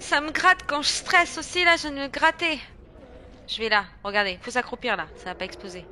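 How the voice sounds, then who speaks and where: A young woman from France talks through a horror game in casual, chatty commentary. Her voice is bright and fairly high, jumping between excited shrieks and low mutters. A faint hum sits behind her. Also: a little fast. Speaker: gaming streamer. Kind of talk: casual let's-play commentary.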